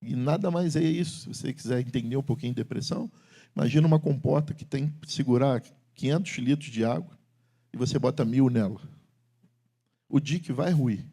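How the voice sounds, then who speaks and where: Man, middle-aged pastor, church sermon, emphatic then hushed and confiding. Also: a little fast. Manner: swings from loud emphatic preaching to low confiding talk. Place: church sanctuary.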